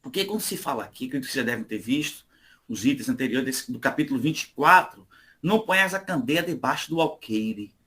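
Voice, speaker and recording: A man's voice: mid-range voice, animated, brisk, sharp tone. A man from Salvador with a Bahian Brazilian accent, speaking conversationally as a guest at an online religious study meeting and often adding tag questions. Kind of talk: informal religious talk.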